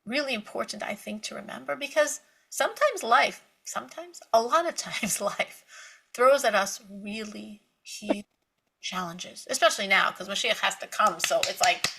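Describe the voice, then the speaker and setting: A woman giving a spiritual Torah lecture, telling stories with lively emphasis, repeating words and laughing lightly between points. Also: mid-range voice, moderate pace, vocal fry, breathy edge, low-quality recording. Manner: animated storytelling with emphatic repetition. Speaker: Torah teacher.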